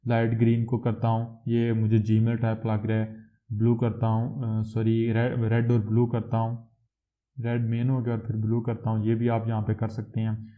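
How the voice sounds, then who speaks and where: A man teaching a coding tutorial step by step, pausing to correct himself and filling gaps with hesitation sounds. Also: on the low side, monotone. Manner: explains step by step, with frequent self-corrections and filler sounds. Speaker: programming tutor. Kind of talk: screen-recorded coding tutorial. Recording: tinny phone-like audio.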